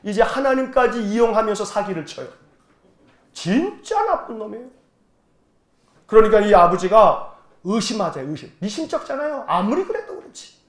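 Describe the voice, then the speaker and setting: A man preaching a sermon as pastor, telling the story in lively colloquial speech and leading the congregation in repeating lines. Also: sits high, normal speed, pauses often. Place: church sanctuary. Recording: echoey church sanctuary.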